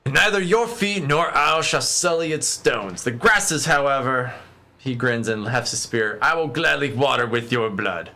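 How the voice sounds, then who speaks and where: A man's voice: mid-range voice, lively intonation, measured pace, pushed and bright, heavily acted. A man voicing a fierce, taunting tribal guard from a fantasy game in hammy, amateurish read-aloud acting. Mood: threatening. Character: menacing fierce tribal hunter guarding ruins, grinning with spear.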